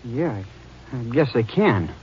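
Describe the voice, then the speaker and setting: A man's voice: mid-range voice, big pitch swings, slow, a little mellow, husky, heavily acted. An actor playing a nervous, evasive young man in a 1950s radio drama, defensive and hesitant. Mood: reluctant. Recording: muffled, very noisy old radio recording.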